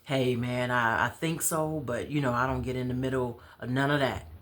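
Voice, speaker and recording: A woman's voice: rumbling low, fairly even intonation, normal speed. Woman as friendly shop-owner guy, casual banter, read-aloud story. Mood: evasive. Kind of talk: storybook dialogue reading.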